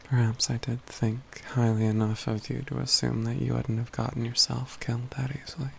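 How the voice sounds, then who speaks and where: A man's voice: mid-range voice, level tone, gravelly, a little hiss or hum. A man playing a composed, learned mage companion in a fantasy ASMR roleplay, speaking in formal, old-fashioned phrasing with a dry, teasing wit. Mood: wry, thoughtful. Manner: measured, formal old-fashioned wording, dryly wry.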